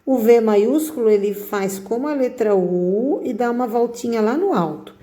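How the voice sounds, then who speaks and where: A woman's voice: a little high, lively intonation, moderate pace, warm tone. A woman teacher giving a patient handwriting lesson, coaxing her pupils along with frequent little check-ins.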